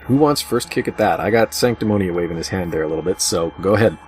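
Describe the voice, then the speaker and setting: A man's voice: low-pitched, fast, a little mellow, soft background music. A man hosting a casual panel discussion, talking in a rambling, think-aloud way. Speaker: podcast host.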